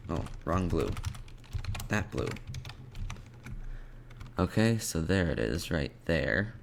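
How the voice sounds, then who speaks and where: A man narrates a coding screencast as he works, thinking aloud in short, unscripted fragments. His voice is very low with a creaky fry, and he takes his time. Clear background noise sits behind him, with keyboard typing and mouse clicks. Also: big pitch swings, slow pace. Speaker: programming tutorial presenter.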